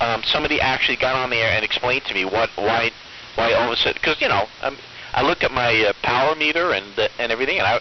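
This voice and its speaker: With a New York accent, a man talks very fast in a fairly high voice with lively intonation over noticeable background noise. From US Northeast (Long Island, New York). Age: 60s. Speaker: amateur radio operator. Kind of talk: casual chat. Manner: halting, many fillers.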